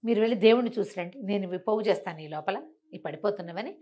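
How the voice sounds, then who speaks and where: A woman's voice: medium pitch, fast talker, mellow, close to an everyday voice. A woman storyteller voicing a folk-tale queen, loyal yet easily tempted, in a persuasive conversational way. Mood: tempted, hurried.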